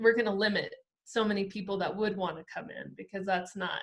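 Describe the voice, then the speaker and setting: Somewhat breathy, a woman holds a medium pitch with fairly even intonation. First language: Spanish. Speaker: panel moderator. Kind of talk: panel discussion.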